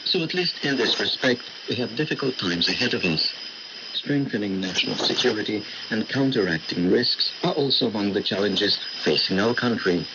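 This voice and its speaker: Male voice-over reader for news statements, fairly deep, buried in heavy shortwave noise. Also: animated, moderate pace. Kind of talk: scripted reading of quoted statements. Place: radio studio, heard over shortwave. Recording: noisy muffled shortwave radio broadcast.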